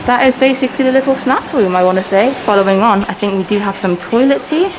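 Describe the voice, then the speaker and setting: A woman in her thirties whose first language is Persian, giving an upbeat, chatty walking tour of a hotel while she films herself. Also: quick pace. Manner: chatty, upbeat, lively ups and downs in pitch. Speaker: travel vlogger. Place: indoor hotel lobby and halls. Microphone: handheld camera, self-filmed. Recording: noisy handheld camera audio.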